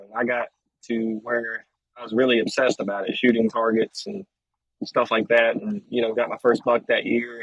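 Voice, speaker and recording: A young man from Costa Rica raised in Georgia, chatting in a casual interview, relaxed and rambling with many "uh"s. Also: mid-range voice, dry recording, rough recording. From born in Costa Rica, raised in Georgia, USA. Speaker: guest, trick shooter.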